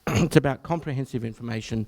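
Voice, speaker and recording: An Australian man who works as a general practitioner is presenting to health professionals at an information session. Talking so much has made him croaky and hoarse, and he often clears his throat and cuts off phrases to start again. He speaks in a mid-range voice with a darkish tone at a brisk clip.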